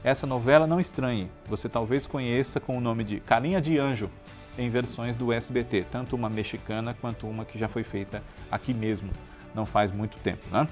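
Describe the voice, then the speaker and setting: A man's voice: medium pitch, a little fast, faint music behind. A Brazilian man presenting in a conversational, chatty way, telling biographical stories and often adding little checking tags. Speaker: presenter of a show on television history.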